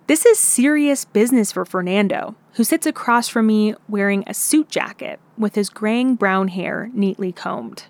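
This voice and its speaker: A woman reporter narrating a radio news feature in a clear, steady way. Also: fairly high pitch, no echo.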